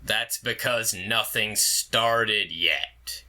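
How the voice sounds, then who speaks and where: An actor in an audio drama playing a skeptical, level-headed royal attendant with a measured, deliberate delivery. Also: mid-range voice, pushed and bright, full character voice. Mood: exasperated.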